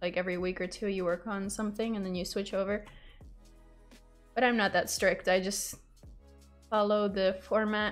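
Faint music sits in the background. A woman talks over it. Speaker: game developer streamer. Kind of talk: tutorial.

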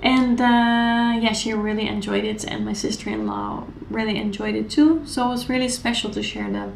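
A woman at a moderate pace with hardly any pauses, plus audible room echo and light background noise. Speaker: vlogger. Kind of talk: casual vlog chat. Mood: calm, warm. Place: home room.

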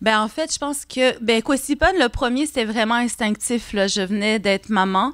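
The pace is moderate, with ordinary pitch variation. The sound is dry with no echo, over a quiet background. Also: woman. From Quebec City, Quebec; Quebec. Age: 30s. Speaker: novelist and French teacher; guest. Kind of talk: public interview. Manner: hesitant, many fillers. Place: hall. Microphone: podium.

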